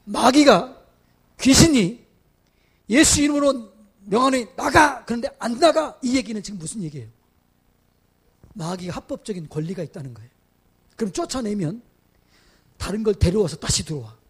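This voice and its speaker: A male pastor preaching at a revival meeting. He questions the congregation and builds to loud exhortations. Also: sits high, slightly rough. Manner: acts out quoted voices in dramatic asides. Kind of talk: revival sermon.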